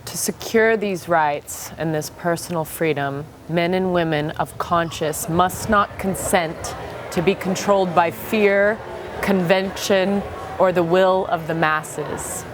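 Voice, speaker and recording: A woman's voice: lowish voice, takes it slowly, background noise. A woman reading a scripted inspirational manifesto aloud.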